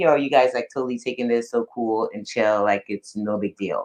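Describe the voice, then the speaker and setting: A woman speaks with a Caribbean accent. Her pace is moderate. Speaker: podcast host. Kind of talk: informal. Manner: casual, chatty.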